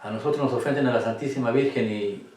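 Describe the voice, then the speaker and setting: A man's voice: mid-range voice, quick pace, a little mellow. A man leading a Catholic Bible study, speaking emphatically and posing rhetorical questions to his listeners. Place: room with cameras. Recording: echoey room, distant mic.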